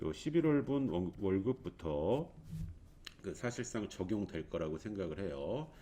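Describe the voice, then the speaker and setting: Speaking very slowly, a man has a dark, mellow tone and a fairly low pitch. His pitch swings very widely. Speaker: labor attorney lecturer. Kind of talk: lecture. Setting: recorded alone in a room. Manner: loud. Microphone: muffled by face mask.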